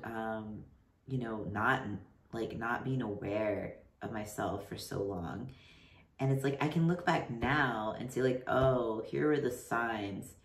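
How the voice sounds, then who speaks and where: Rambly young man in a roomy echo. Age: 30s. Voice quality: voice deepening mid-transition. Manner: rambling, lots of "like" and "you know". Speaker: vlogger. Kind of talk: casual chat to camera. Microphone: camera mic. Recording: roomy echo, voice somewhat far from mic.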